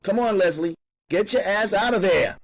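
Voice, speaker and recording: A man's voice: high-pitched, normal speed, voice pushed up. Man doing an impatient street-smart woman. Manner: wheedling, then curt, street slang. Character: sharp, impatient middle-aged female handler.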